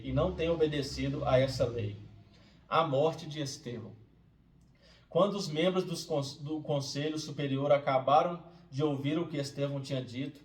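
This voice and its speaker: Man reading scripture in a roomy room. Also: on the high side. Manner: reads steadily, then closes in a quieter, conversational preaching tone. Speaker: Bible reader and devotional host. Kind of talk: Bible reading and short devotional reflection. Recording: roomy, distant from the mic, faint hiss.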